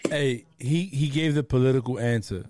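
A man hosting a casual sports chat, talking in an animated, slangy way and often repeating words. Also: medium pitch, moderate pace, dry recording. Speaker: podcast host.

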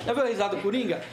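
A man telling loud, animated, self-mocking stories as a podcast guest. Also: high voice, heavy background noise. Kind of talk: casual storytelling chat.

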